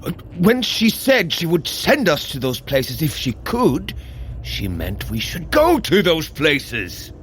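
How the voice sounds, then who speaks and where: A man's voice: a little high, huge pitch swings, slow, fairly bright tone, a little hiss or hum, heavily acted. An actor playing a good-natured, courteous male thunder god in an audio drama, speaking with earnest care. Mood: gentle teasing.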